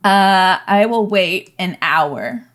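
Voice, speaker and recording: Soft-spoken young woman playing a tabletop game. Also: medium pitch, expressive, slow pace. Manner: soft, hesitant with ums, trails off. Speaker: player.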